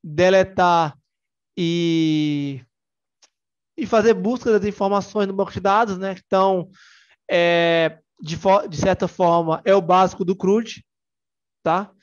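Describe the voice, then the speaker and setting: High-pitched and steady, this young man speaks slowly in lo-fi sound. Hailing from Salvador, Bahia, Brazil, and carrying a Bahian Brazilian Portuguese accent, he presents a casual, humorous technical talk at a tech conference, with many fillers and restarts.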